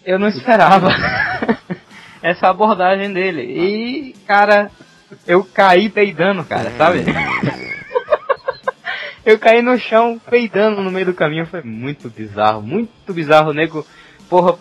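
A man's voice: sits high, unhurried, long pauses. A Brazilian man co-hosting a podcast, telling embarrassing stories in a loose, slangy, laughing way. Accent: Brazilian Portuguese. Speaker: podcast co-host. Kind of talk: casual chat. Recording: slightly muffled podcast audio.

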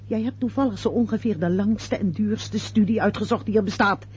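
Actress as mellow, domineering showbiz mother. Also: mid-range voice, slight background noise, close to an everyday voice. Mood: sharp, reproachful. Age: middle-aged. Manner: brisk, theatrical, managing. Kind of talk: Dutch radio play acting. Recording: dull lo-fi radio play recording.

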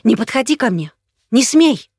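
A hysterical young woman shrieks and sobs in a high, strained voice, as a woman reader puts her on. She sounds frightened and hostile at once. The audiobook sound is dry and close. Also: sing-song, normal speed, a little mellow, husky, no room sound, heavily acted. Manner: shrill, sobbing, screaming accusations.

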